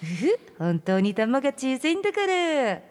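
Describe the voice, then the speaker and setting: A woman's voice: very high voice, very animated, fairly quick, pitched above the performer's own voice. A woman voicing a coy, teasing young woman in a playful, mock-bashful manner.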